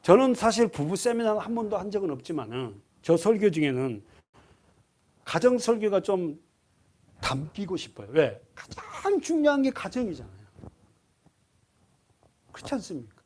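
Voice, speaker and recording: Lively Korean pastor preaching. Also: male voice, high voice, normal speed, long pauses. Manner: lively, asks the congregation questions, acts out voices. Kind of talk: sermon.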